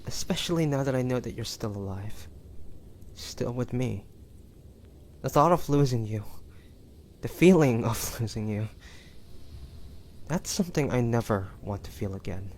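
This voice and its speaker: A man playing a tender, devoted hunter turned immortal in an intimate audio roleplay, speaking haltingly and emotionally to a lover. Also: mid-range voice, animated, a little mellow. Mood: tender, relieved. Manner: halting, emotional, breathy sighs and whispers.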